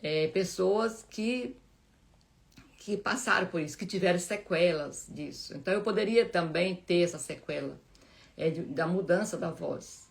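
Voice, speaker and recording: Female host, lowish fry-edged voice, informal heartfelt Bible talk full of restarts. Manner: heartfelt, halting, many restarts and fillers. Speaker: Bible study live host.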